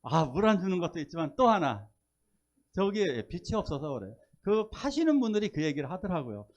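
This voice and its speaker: A man's voice: sits high, brisk, muffled recording. A male pastor preaching a Sunday sermon, posing questions to the congregation and joking with them. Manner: lively, asks the congregation questions and jokes with them. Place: church service.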